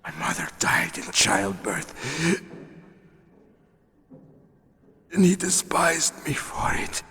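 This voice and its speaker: An actor playing a bitter, menacing, nihilistic dying psychic villain in a video game, with a breathy, raspy, halting theatrical delivery. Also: male voice, on the high side, big pitch swings, sharp tone, in a large hall, exaggerated voice. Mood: haunted. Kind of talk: dramatic video game voice acting.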